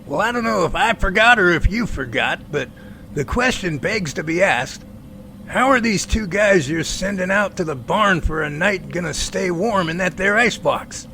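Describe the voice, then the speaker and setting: A man's voice: high-pitched, lively intonation, sharp tone, a little hiss or hum, heavily acted. A man playing an earnest, folksy, inquisitive professor in an amateur audio drama, with colloquial turns of phrase. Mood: curious. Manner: folksy, colloquial, drawn-out remarks.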